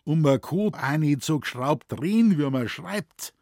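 A man's voice: fairly high pitch, expressive, unhurried, darkish tone, dry recording, studio quality, voice pushed up. A man voicing a grumbling old Bavarian forest warden in broad dialect, speaking raised and flustered. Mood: fretful.

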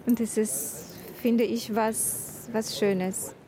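A woman with a Polish accent softened by Franconian sounds, answering an interviewer. She speaks slowly and a little above the usual pitch, pausing to search for words. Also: fairly even intonation, a little hiss or hum. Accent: Polish with a Franconian touch. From Poland.

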